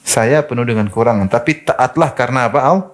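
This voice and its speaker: Guy preaching to women, mid pitch, acts out the people in his stories. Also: quick pace. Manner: animated storytelling, mimics quoted speakers. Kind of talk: Islamic sermon to women.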